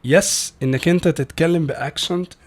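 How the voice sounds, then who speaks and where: A man with an Egyptian Arabic accent, a guest teaching English pronunciation in a casual podcast talk, animated and full of restarts. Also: fairly high pitch. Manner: animated, fast, many restarts and repeated words.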